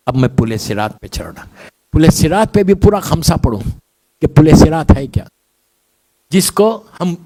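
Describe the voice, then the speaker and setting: A man preaching a majlis sermon as a story, swinging from soft low asides to high impassioned cries and mixing English words into his speech. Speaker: Shia preacher.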